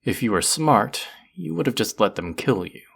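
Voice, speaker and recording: A man's voice: medium pitch, sing-song, normal speed, creaky, husky, full character voice. A man playing a cruel, powerful, vain sorcerer in a fantasy audio roleplay, speaking to the listener in a theatrical, menacing drawl. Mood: cruel, gloating.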